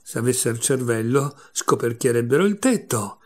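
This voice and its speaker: A man voicing a curious, clever young girl in a storybook reading, with a lively, raised voice. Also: medium pitch, moderate pace, lightly acted. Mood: musing.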